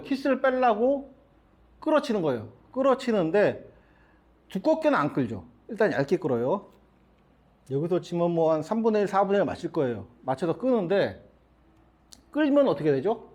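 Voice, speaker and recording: Man, middle-aged, billiards coach; high, animated voice, talks through each shot with questions. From South Korea. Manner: explains step by step with many rhetorical questions. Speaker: billiards instructor. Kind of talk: demonstration lesson.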